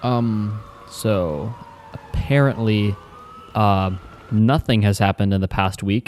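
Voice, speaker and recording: The sound is dry and close with no echo, though background noise is noticeable. A man speaks with a fairly low pitch and fairly even intonation. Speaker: video essayist. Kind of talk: video essay narration. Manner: chill, relaxed pace.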